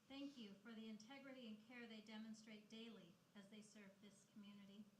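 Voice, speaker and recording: An American woman pastor giving a spoken prayer at a civic meeting in earnest, measured, reverent phrases. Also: fairly high pitch. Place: council chamber. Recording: echoey meeting room, faint noise.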